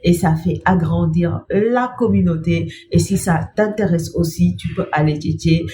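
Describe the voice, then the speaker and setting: A woman with a cold giving a slow, gentle devotional talk as a Christian life coach, pausing often with fillers. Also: lowish voice, background noise. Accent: French. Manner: slow, gentle, repeats "bien-aimé" and pauses with "euh". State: has a cold.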